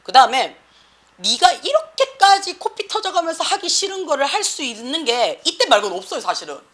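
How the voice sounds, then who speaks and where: A woman's voice: high-pitched, very animated, brisk, a bit bright. A middle-aged woman with a Gyeongsang accent, an academy teacher lecturing and scolding students in a blunt, slangy way. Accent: Gyeongsang Korean.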